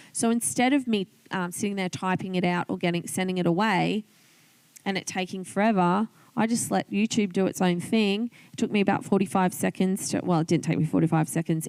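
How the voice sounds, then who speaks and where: An Australian woman, an online business coach, teaches video tips in an informal tutorial, talking through a screen demonstration step by step as she chats and thinks aloud. Her voice is lowish, slightly mellow and smooth. The low-quality recording carries no room sound.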